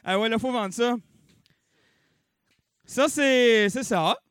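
Québécois guy running a comedy auction, high bright voice, bounces all over, dry mic. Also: slow, smooth, dry recording. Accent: Québécois French. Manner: bouncy and animated, bellowing bids, jokey asides. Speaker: auctioneer and comedy show host. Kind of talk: live comedy-night auction patter.

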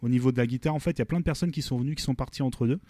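A man's voice: medium pitch, rapid-fire, mellow, no echo. A man hosting a casual music show, rambling with lots of fillers and frequent laughs. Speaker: show host presenting bands. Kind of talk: casual radio-style music chat.

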